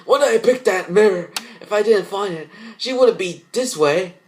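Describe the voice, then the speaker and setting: A man's voice: sits high, animated, moderate pace, slight background noise, voice pushed up. A man voicing an anxious, guilt-ridden teenage cartoon girl in a raised, strained voice. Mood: guilty.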